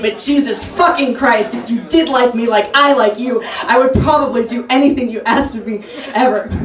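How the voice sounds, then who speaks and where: A woman with an American accent at a moderate pace, with audible room echo and light background noise. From California. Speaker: performance artist. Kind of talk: spoken word performance. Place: stage.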